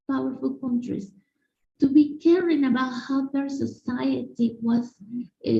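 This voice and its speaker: Mexican lady teacher on a video call, gravelly, dull lo-fi sound. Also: high voice. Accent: Mexican Spanish. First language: Spanish. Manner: animated, repetitive, addresses audience directly. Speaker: teacher giving a conference talk. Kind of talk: online conference talk. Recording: echoey room, dull lo-fi sound.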